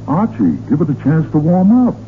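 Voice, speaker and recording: An exasperated suburban father in a 1940s radio comedy. He sputters and blusters with lively swings in pitch. The sound is narrow and phone-like with light noise. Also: moderate pace. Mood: impatient. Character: exasperated, grumbling middle-aged suburban father. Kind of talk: 1940s radio sitcom acting. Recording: tinny, noisy 1940s radio recording.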